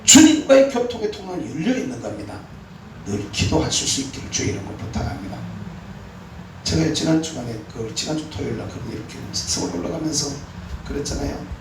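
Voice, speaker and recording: A man preaching a sermon as pastor, exhorting with animated, emphatic peaks. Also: a little high, fairly quick. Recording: echoey hall, mic far off, faint room noise.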